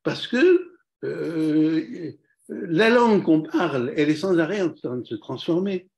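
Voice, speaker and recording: A man's voice: on the high side, animated, measured pace, gravelly, a little mellow. A man giving a reflective comment in an academic discussion on language and psychoanalysis, with hedging fillers. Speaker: lecture discussant.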